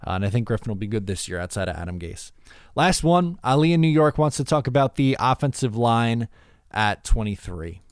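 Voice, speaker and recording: A man's voice: mid-range voice, expressive, a little fast, clean tone, no echo, studio quality. A man hosting a podcast, talking sports casually and giving blunt, opinionated answers. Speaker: podcast host answering voicemails.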